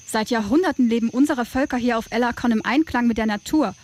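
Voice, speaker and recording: Audio drama role: woman as fearless tribal helper, direct, caring, defiant, fairly high-pitched. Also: quick pace, a little mellow, lightly acted. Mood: impassioned, reproachful. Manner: direct, teasing, impassioned.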